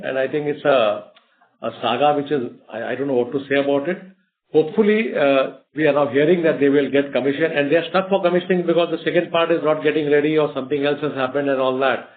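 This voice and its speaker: A man's voice: a little high, brisk. A man with an Indian accent answers investor questions as a company executive in a conversational, explanatory way, often repeating phrases. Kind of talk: unscripted earnings call answers. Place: conference call. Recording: muffled narrowband conference phone line.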